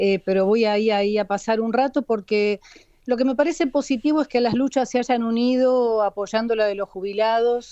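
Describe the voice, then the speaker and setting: In a dry, close sound with no echo and a quiet background, a woman with a Rioplatense accent speaks in a fairly high voice with a dark, mellow tone, ordinary pitch variation and very even loudness. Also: moderate pace. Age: 60s. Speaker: actress and university teacher. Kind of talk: radio interview. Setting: call into radio show.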